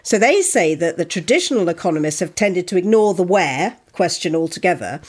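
A woman hosts an interview podcast, speaking articulately through prepared introductions and questions. Her voice sits on the low side for a woman. Her intonation is lively and moves a lot. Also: fairly quick. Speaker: podcast host.

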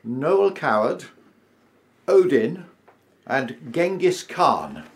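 A man actor speaking in a measured, matter-of-fact way. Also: on the high side, very animated. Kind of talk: casual chat.

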